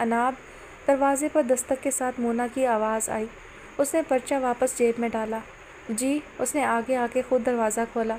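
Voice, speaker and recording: A woman with a high pitch speaks at a fairly slow pace in a monotone with flat intonation. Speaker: audio novel narrator. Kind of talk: reading aloud.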